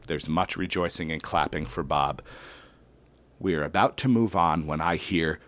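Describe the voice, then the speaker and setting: A man, a schoolteacher, telling a personal story to an audience in an animated way, with sudden loud bursts and slow dramatic drops. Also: rumbling low, dry recording. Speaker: elementary school teacher.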